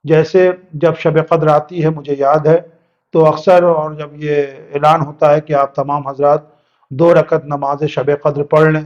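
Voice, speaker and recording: A man's voice: fairly high pitch, a little mellow, lo-fi sound. A male cleric giving a religious lesson, explaining step by step, mixing English words in and repeating points for emphasis. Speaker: Islamic cleric teaching religious rulings.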